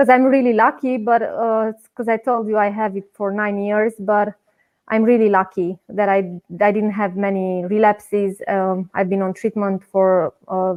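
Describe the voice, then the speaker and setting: Speaking with a Romanian accent, a woman uses a medium pitch and fairly even intonation at a fairly slow pace. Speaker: patient advocate. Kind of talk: interview. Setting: video call. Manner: hesitant, many fillers.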